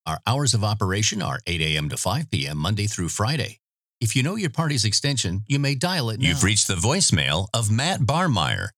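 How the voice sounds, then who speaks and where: A man voicing scripted phone greetings and menu prompts in a polite, measured way. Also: mid-range voice, fairly bright tone, no echo, clean studio sound. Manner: polite, measured, evenly paced delivery. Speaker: phone system voice-over announcer.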